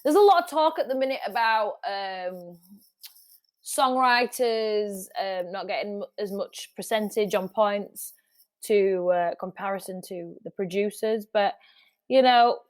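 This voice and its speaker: A woman's voice: medium pitch, measured pace, no room sound. A middle-aged woman, a music industry guest, chatting casually in an interview with frequent restarts. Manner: chatty, restarts often, laughs easily.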